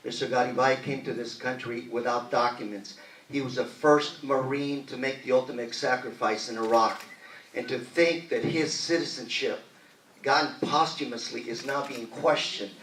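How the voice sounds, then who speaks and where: A man answering as a candidate in a political debate, earnest and measured. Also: medium pitch, steady tone, a bit bright, a little hiss or hum. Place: debate hall. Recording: echoey hall from far off.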